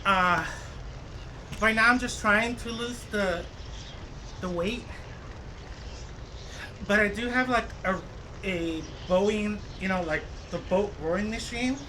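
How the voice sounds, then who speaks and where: A man in his late thirties, a streamer casually chatting with viewers while cycling and gaming, rambling and halting with many fillers. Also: sits high, noisy background. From United States.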